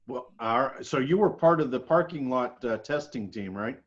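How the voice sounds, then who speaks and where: Encouraging man, mid-pitched, slightly muffled. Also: lively intonation, moderate pace, breathy edge. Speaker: experienced ham radio hobbyist. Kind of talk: casual chat.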